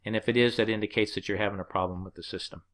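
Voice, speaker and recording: His voice sits on the low side and is a bit bright, with fairly even intonation, and he races along. The speaker is an HVAC instructor going over slides, calmly explaining each number in turn.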